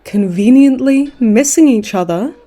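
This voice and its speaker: Her mellow voice a little high and a little slow, with lively intonation, a woman acts out a smug, flirtatious late-twenties villainess in a hospital bed. It's comedic audio roleplay, teasing throughout with mock-sweet, theatrical taunts.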